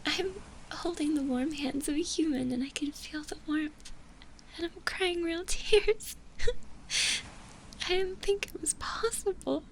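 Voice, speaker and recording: A woman voicing a gentle, lonely stitched-together zombie girl in a whispered ASMR roleplay, with a soft breathy voice and tender, hesitant delivery. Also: high voice, slight background noise, rough recording. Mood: tearful, overwhelmed. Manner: slow, hesitant, tender delivery with long pauses.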